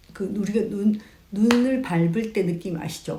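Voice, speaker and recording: A woman in a Busan accent, fairly slow in pace, with ordinary pitch variation. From Busan, South Korea. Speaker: dentist. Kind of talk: unscripted explanation to camera.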